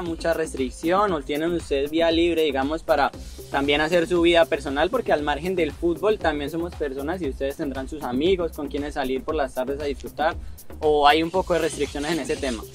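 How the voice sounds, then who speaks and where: A young man with a Colombian accent and a fairly high, light voice asks long, rambling questions in an easy, joking tone. He sits on a park bench outdoors, picked up by a camera a few feet away. Faint music plays underneath. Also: steady tone, a little fast. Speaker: interviewer. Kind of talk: casual sit-down interview.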